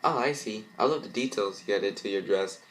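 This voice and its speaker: A man's voice: fairly low pitch, a little fast, a bit bright, rough recording. A man voicing a kindly, encouraging woman fashion designer in a cartoon fan story.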